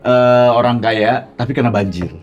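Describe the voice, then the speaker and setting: A man's voice: mid-range voice, normal speed, dull audio, faint music behind. A man moderating a comedy debate, teasing and provoking the guests with interruptions. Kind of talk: teasing comic panel banter.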